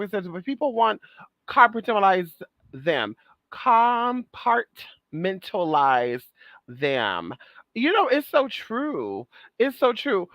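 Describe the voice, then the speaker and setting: A woman's voice: mid-range voice, fairly bright tone, no room sound. A trans woman vlogging in a sassy, profane monologue, calling listeners girl, honey and baby and repeating phrases for emphasis. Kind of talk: casual monologue rant.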